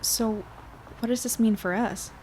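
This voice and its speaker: A woman's voice: on the high side, fairly even intonation, unhurried, noisy background, natural voice. An actress playing a caring, curious young woman chatting with friends in an audio drama, casual and a little hesitant. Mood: concerned, curious. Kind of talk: acted dialogue in an audio drama podcast.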